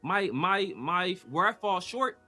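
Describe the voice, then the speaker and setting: A man's voice: sits high, expressive, takes it slowly, sharp tone, faint music behind. A man hosting a casual sports talk show, arguing his points emphatically and pushing back on his co-host. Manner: emphatic, argumentative, talks over co-host. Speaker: podcast host.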